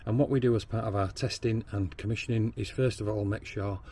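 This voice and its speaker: Northern English man, low gravelly voice, hands-on trade lesson, faint background noise. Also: fairly even intonation, fairly quick, mellow. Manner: practical, explanatory, with ums and restarts. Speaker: plumber and backflow tester. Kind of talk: hands-on training demonstration. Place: workshop bench.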